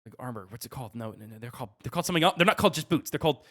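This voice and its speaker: A man's voice: mid-range voice, expressive, racing, bright, forceful tone. A man co-hosting a casual gaming podcast, talking in choppy phrases as he rephrases and qualifies his points. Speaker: podcast co-host.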